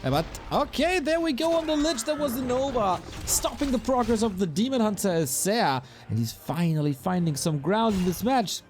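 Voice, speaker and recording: A man casting an esports match play by play, his voice a little raspy, breaking into quick bursts of excitement at big plays. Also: sits high. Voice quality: slightly raspy. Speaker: esports caster. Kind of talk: play-by-play game commentary. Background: game music.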